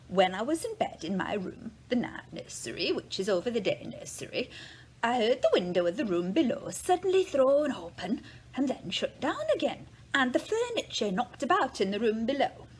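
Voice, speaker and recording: Expressive, earnest nurse, played by a woman. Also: fairly high pitch, slight background noise, rough recording. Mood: alarmed. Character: respectable, earnest thirty-year-old nurse giving testimony. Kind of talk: dramatic reading of a witness account. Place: large living room, indoors.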